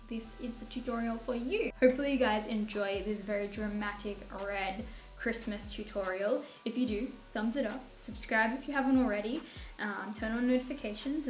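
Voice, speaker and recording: A woman in her twenties with a husky voice, chatting casually and rambling cheerfully as a beauty vlogger in a small white room at home. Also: fairly high pitch, darkish tone, echoey room. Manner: bubbly, rambling, self-mocking with laughs. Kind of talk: casual chatty makeup tutorial.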